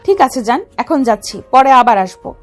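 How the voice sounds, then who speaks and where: A woman voices a fearless young female mafia don in an audio love story. She talks down to the shy young man with bossy, teasing confidence, her voice high and bright. Faint music plays behind her. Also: sing-song, normal speed. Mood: domineering. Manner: domineering, teasing, calls him baby. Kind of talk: audio drama acting.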